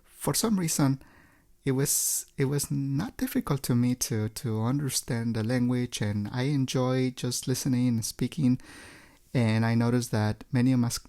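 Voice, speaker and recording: A man's voice: medium pitch, normal speed, warm tone. A man from Mexico with a Mexican Spanish accent, a native Spanish speaker, telling his story politely and chattily, repeating words as he goes. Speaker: podcast guest. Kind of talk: casual interview.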